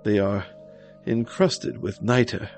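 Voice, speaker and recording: A man playing a scheming nobleman in a gothic story, flattering and politely feigning reluctance. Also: on the low side, slow, faint music behind. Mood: slyly reluctant. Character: scheming nobleman, falsely courteous, flattering, slyly goading his friend. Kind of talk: dramatic gothic story reading.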